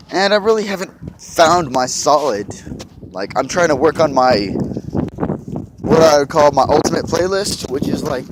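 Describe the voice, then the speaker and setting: A young man vlogging as he walks outdoors along a street, chatting casually in a rambling way with profane, sarcastic asides, filmed on a handheld phone. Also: on the high side. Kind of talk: casual vlog chat while walking. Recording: loud outdoor noise from traffic. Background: traffic and outdoor sounds.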